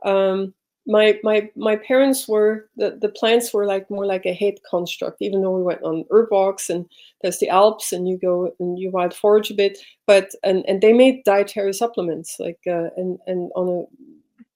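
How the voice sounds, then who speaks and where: A middle-aged woman from Switzerland, a podcast guest telling her life story in a reflective, halting way as she searches for words. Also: medium pitch, steady tone, dark tone. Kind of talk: personal storytelling in an interview.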